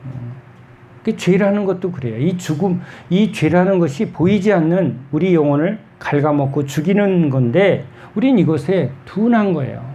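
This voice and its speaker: A man's voice: high-pitched, expressive, normal speed, dark tone, muffled recording. A middle-aged male pastor preaching a sermon in a conversational way, often putting questions to his congregation.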